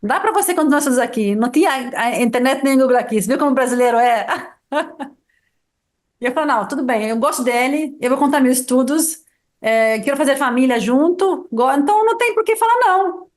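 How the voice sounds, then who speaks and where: High-voiced Lebanese-born woman, chatty. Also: quick pace. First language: Arabic. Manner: lively storyteller, many restarts and "sabe?" tags. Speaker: guest. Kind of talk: casual interview chat.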